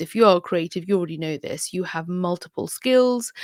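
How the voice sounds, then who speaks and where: In a very clean recording with a silent background and a dry, close sound with no echo, a woman with a plain, everyday voice speaks at a fairly low pitch with ordinary pitch variation. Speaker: PR consultant and content creator. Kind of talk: casual talking-head monologue. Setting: home desk with camera. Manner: many fillers (um, sort of).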